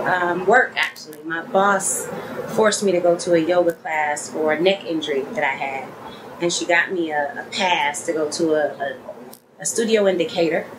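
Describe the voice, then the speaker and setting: A woman's voice: lowish voice, background noise. A woman in her thirties explaining how she started yoga, casually and with some hesitation. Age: 30s. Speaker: interviewee. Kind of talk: documentary interview.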